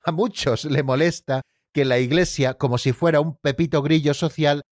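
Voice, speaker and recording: A man's voice: fairly high pitch, moderate pace, no room sound, clean studio sound. Earnest Catholic radio catechist, a man. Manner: earnest, didactic, addresses listeners directly.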